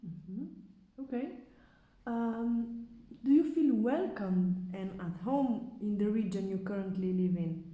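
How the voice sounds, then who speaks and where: A woman's voice: mid-range voice, animated, slow pace, warm tone. A woman interviewer asking questions one at a time. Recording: echoey room.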